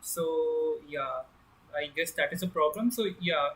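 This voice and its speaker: A man's voice: on the high side, a little slow, fairly bright tone, slightly rough, poor audio. A young man teaching an online bootcamp on a live stream, casually checking in with viewers and using many fillers while his camera is off. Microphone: computer mic on a live video stream, camera off.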